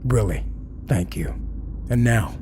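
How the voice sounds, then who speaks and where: A man hosting a podcast, reading scripted credits and announcements in a measured, deliberate way. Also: fairly low pitch, expressive, background noise. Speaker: podcast host.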